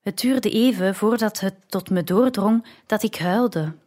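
A woman narrating a story in the first person, with a slow, measured reading. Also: medium pitch, darkish tone. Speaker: audiobook narrator.

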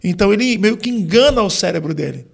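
A Brazilian gospel singer and vocal coach explaining singing on a podcast, with lots of "né" and "tipo" fillers. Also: male voice, high voice, expressive, fast, creaky. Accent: Brazilian Portuguese. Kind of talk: podcast interview.

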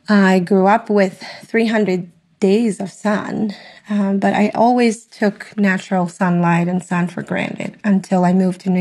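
Slow-speaking woman leaving a voice memo. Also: medium pitch. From Albania. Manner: unhurried, with many fillers and soft laughs. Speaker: listener sending a voice message. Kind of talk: casual recorded voice memo.

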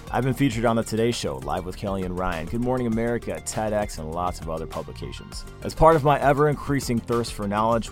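A man in his thirties hosting a podcast, delivering a punchy, energetic scripted intro. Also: fairly low pitch. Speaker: podcast host. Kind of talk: scripted intro then casual interview.

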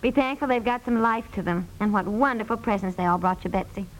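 A woman playing a fussy, easily flustered suburban American mother in an old-time radio comedy, exclaiming and quick to scold. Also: mid-range voice, slight background noise, close to an everyday voice, poor audio. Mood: cheerful, soothing.

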